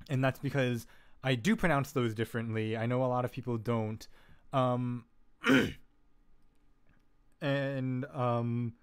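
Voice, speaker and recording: Male streamer, smooth clear voice, mid pitch, easygoing technical walkthrough, frequent self-corrections and filler words. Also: fairly even intonation, slow pace, long pauses. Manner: rambling, self-correcting, lots of "um" and "like"; laid-back, jokey asides. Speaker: live-stream host teaching vocal synth tuning.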